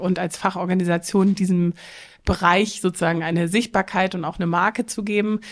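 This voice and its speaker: A woman's medium pitch and monotone, flat intonation in a very clean recording with a silent background. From northern Germany, Baltic coast. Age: 30s. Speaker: agricultural trade fair executive. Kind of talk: interview. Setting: press centre at trade fair.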